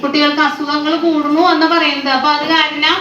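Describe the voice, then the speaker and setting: Woman vlogger, high voice, slightly dull and distant sound. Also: flat delivery, fast talker, sharp tone, roomy sound, slight background noise. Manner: chatty, explaining with small restarts. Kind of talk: casual chat to viewers.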